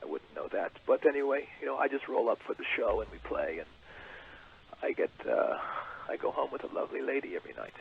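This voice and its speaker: A man calling in as a swaggering, self-important rock frontman who boasts with halting pauses. His gravelly voice swings up and down in pitch, and it comes through a tinny, hissy phone line. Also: sing-song. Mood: pompous. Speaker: caller. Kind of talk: comedic call-in character.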